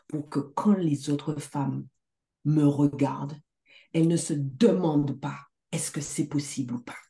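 A middle-aged woman success coach talking in a casual interview, emphatic and animated, swearing now and then. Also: low voice. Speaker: success coach, podcast guest.

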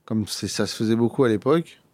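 A man's voice: fairly low pitch, fast talker, darkish tone, dry recording. A man from France recounting his childhood in an interview, hesitant, with many fillers and restarts. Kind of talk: personal storytelling in conversation.

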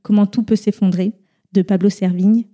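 Brief: young woman from France, very dark mellow tone, hesitant chatty guest, lots of fillers. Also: mid-range voice, steady tone. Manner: halting, many fillers, laughs easily. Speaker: podcast guest. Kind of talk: casual round-table chat.

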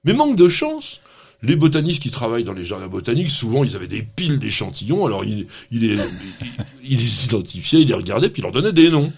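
Lively husky man hosting a gardening show. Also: mid-range voice, brisk. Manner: teasing, enthusiastic, laughs often. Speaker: radio gardening show host. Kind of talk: lively on-air gardening chat.

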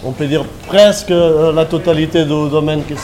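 A man's voice: fairly high pitch, moderate pace, a little hiss or hum. A man from the Cerdagne region with a Catalan-tinged accent, a ski patroller talking casually in an interview with lots of hesitations. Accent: Catalan-tinged French with southern French and Swiss touches. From Cerdagne, Pyrenees. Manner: relaxed, chatty, frequent hesitations. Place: ski area staff building.

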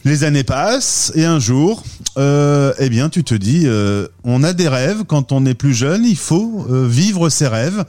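A man hosting an interview show, lively and upbeat, leading his guest through her story with questions. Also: on the high side, measured pace. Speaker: podcast host.

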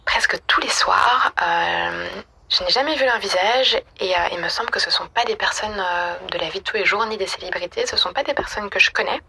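A woman leaving a personal voicemail in a hushed, half-whispered voice. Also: medium pitch, brisk, creaky, noisy background. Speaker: listener leaving a voice message. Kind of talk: personal voice message.

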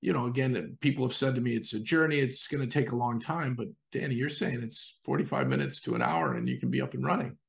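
A man's voice: mid-range voice, big pitch swings, fast talker, vocal fry, hardly any pauses. A man hosting a podcast interview, enthusiastic and acting out what users say. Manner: enthusiastic, acts out quoted users. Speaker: host.

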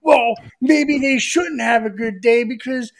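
Loud swearing forty-something guy with a highish voice, rambling stories on a podcast. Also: a little slow. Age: 40s. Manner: loud, profane storyteller. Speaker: guest. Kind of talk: casual podcast chat.

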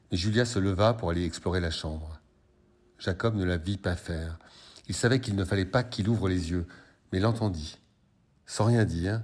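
Deep, husky male reader. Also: a little mellow. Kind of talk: literary reading aloud.

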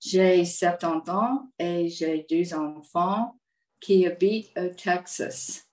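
A woman's voice: lowish voice, extremely slow, a little mellow, reverberant, poor audio. An older woman from Virginia with an American accent, a native English speaker answering interview questions carefully. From United States, Virginia. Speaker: guest.

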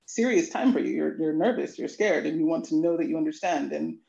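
An earnest, reflective adult student describes her language lessons at a middle pitch. The sound is roomy and echoey, and a little dull. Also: a little fast, gravelly, warm tone. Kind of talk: interview. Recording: echoey, muffled lo-fi audio.

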